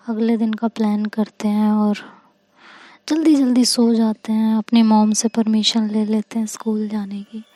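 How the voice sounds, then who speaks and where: A woman's voice: fairly high pitch, no room sound. Chatty Indian woman narrating a love story. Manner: chatty, colloquial retelling with lively quoted dialogue. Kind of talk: casual story narration with voiced dialogue.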